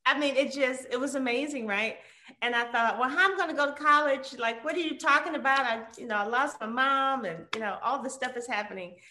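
Animated woman from Detroit, echoey room. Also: fairly high pitch. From Detroit, USA. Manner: animated storyteller, lively quoted voices. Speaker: guest. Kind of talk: casual conversational interview. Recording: roomy echo.

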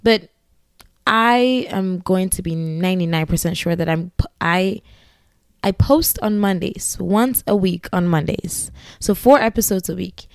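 A woman's voice: fairly low pitch, a little slow, no echo, clean studio sound. A woman with a Ghanaian accent hosting her own podcast solo, chatting in a rambling, giggly way with asides. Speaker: podcast host. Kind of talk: casual solo podcast chat.

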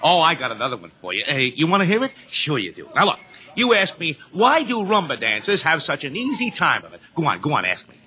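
A man's voice: a little high, huge pitch swings, quick pace, bright, forceful tone, husky, full character voice. A man playing a brash, needling comedian and schemer in a 1950s radio drama, wisecracking and pushy, repeating himself. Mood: jokey, showing off.

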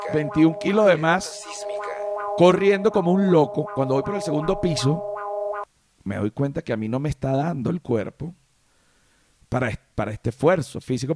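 A man hosting a podcast, telling a rambling comic story and swearing casually. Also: fairly high pitch. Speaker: podcast host. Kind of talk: comic monologue.

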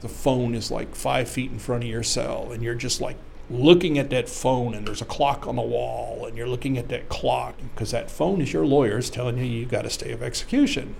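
A middle-aged man talks about life on death row, stopping and starting with plenty of fillers. His voice is gravelly with fry, at an average pitch for a man, and a faint hum of ambience sits behind him. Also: darkish tone. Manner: halting, many fillers. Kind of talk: recorded interview and reading his own writing.

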